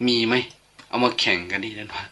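A man's voice: on the low side, level tone, brisk, bright, forceful tone. An older man, a monk, giving an informal, chatty sermon full of anecdotes and light humor. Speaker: monk giving a dharma talk.

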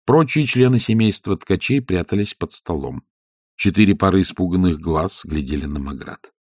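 A man reading a novel aloud with wry, expressive storytelling. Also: low voice, moderate pace, no room sound, studio quality. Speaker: audiobook reader. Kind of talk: scripted narration.

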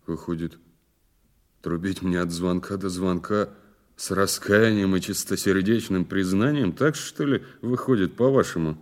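Prisoner under questioning, audio drama: deep male working-class type, surly, clipped replies, sardonic and defiant. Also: a little slow. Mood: bitter, dismayed. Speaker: actor in an audio play. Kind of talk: naturalistic audio drama dialogue.

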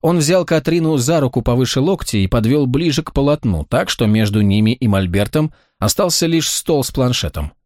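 A man narrating a novel in steady, even storytelling. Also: mid-range voice, brisk, hardly any pauses, no room sound, studio quality. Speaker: audiobook narrator.

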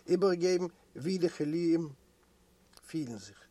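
A man voicing a kind, gray-bearded older doctor with a soft, fatherly voice, calm and reassuring, in an audiobook reading. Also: a little high, a little slow. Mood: instructing.

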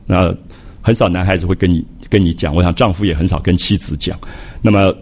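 Husky older man giving a reflective lecture. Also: deep voice, fairly even intonation, brisk, darkish tone. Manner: reflective, conversational, with frequent "ah" fillers and repetitions. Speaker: lecturer on classical literature. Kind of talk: public lecture to a live audience.

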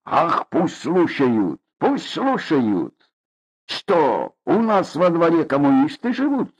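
A man's voice: mid-range voice, very animated, unhurried, slightly rough, heavily acted. A man doing a raging hot-tempered father. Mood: scornful. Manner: loud, blustering, sarcastic. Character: hot-tempered middle-aged Caucasus father. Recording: dull lo-fi audiobook recording.

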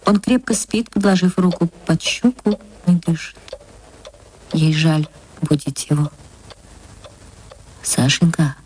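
A woman narrating a literary radio play in a measured, expressive way. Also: lowish voice, a little hiss or hum, low-quality recording.

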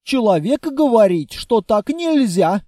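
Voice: medium pitch, big pitch swings, unhurried, dark tone, dry recording, clean studio sound, voice pushed up. An audiobook reader voicing a naive, proud tribal warrior who talks in broken grammar and refers to himself in the third person. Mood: stubborn.

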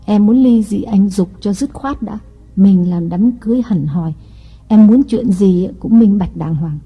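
A man's voice: high voice, a little slow, breathy edge, highs cut off, soft background music, voice pushed up, heavily acted. A man voicing a scheming young wife who coaxes and pleads in a sweet, whiny tone. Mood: pleading.

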